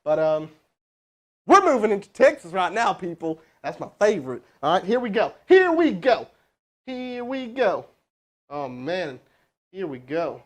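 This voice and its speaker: A fired-up man coaching cold calls live from a room full of crew, his voice sitting a touch high. He talks fast and loose, hyping the viewers between calls. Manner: energetic, pumped-up, casual, with chatty asides. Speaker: sales trainer hosting a live stream. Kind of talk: hyped live-stream coaching and cold calling. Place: indoor room with crew present.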